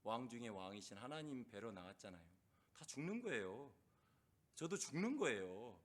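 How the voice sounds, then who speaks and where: Very animated and speaking at a moderate pace, this middle-aged man delivers an impassioned sermon in a medium-pitched voice. As pastor, he frequently questions his congregation, moving from crying out loudly to nearly whispering.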